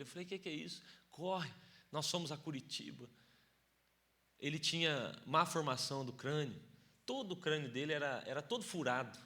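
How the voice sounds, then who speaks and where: A Brazilian man preaching a sermon, telling a personal story and swinging from hushed, quiet passages to loud, fervent outbursts. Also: a little high. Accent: Brazilian Portuguese. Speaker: pastor. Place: church sanctuary.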